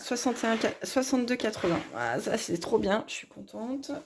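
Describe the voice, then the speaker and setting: Her voice sits fairly high for a woman. The intonation remains fairly even throughout. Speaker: budgeting YouTuber. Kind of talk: casual vlog tutorial. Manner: hesitant, many fillers; deliberately not loud.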